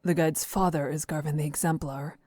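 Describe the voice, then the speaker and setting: A woman's voice: low voice, steady tone, fairly quick, warm tone, no echo. An actress playing a composed, reserved young woman traveler in a visual novel, speaking formally and with restraint. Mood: quietly reproachful.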